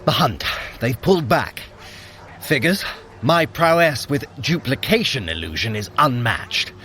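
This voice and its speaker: An actor playing a sly, vain trickster god in an audio drama, sardonic and theatrical, sharp-tongued with a fretful edge. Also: male voice, medium pitch, expressive, unhurried, a little hiss or hum. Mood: wry, scheming. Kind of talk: audio drama acting, addressing the listener.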